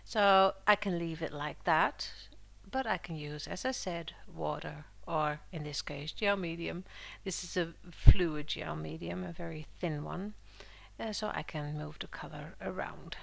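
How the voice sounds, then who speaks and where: A woman hosting a casual art journaling tutorial, a little under the weather, her voice squeaky in places, talking through her steps in a chatty, relaxed way with fillers. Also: a little slow, creaky. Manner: chatty and relaxed, with frequent fillers and soft laughs. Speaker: art journaling channel host. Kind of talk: casual craft tutorial voice-over.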